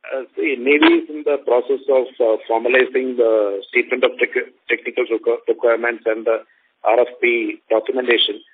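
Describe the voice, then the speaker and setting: A man with an Indian accent answering questions as a company executive, speaking formally and haltingly in measured phrases. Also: mid-range voice, fairly even intonation. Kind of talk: earnings call answers. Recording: narrow phone line with faint noise.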